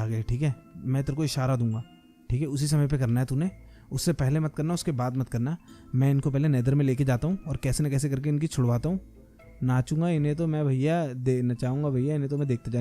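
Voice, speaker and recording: A man hosting a casual Minecraft role-play video, talking with energetic, slangy banter and teasing insults. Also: mid-range voice. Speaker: gaming YouTuber host.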